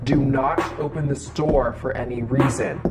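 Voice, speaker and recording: A woman voicing a stern old woman protector who gives grave, commanding orders, with loud music under her. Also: a bass voice, steady tone, normal speed, pitched below the performer's own voice.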